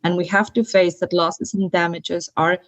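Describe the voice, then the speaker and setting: A woman's voice: lowish voice, flat delivery, moderate pace, dry recording, poor audio. A woman from El Salvador, speaking earnestly on a panel with frequent restarts. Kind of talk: prepared panel talk.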